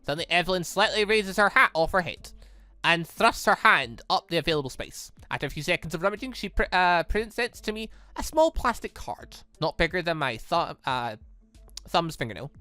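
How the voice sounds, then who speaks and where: This is a chatty let's-play host with a bright, very animated delivery. They read game text aloud and add their own commentary, tripping over the odd line. The sound is dry and close, with music playing behind. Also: medium pitch, a little fast, no room sound. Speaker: gaming channel host.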